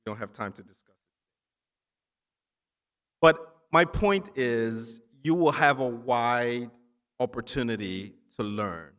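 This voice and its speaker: The long reverb of a large hall surrounds this ceremony keynote, given to students by a physician assistant raised in Nigeria. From the stage, his mid-pitched, slightly bright voice offers encouragement in emphatic bursts punctuated by short pauses.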